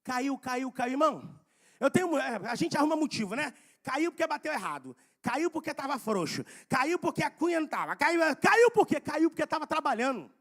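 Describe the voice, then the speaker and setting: Brazilian male preacher, very high and bright voice, fiery sermon that shifts between quiet asides and shouted, repeated calls to the congregation. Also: very animated, fairly quick. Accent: Brazilian Portuguese. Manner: swings between soft asides and loud shouting.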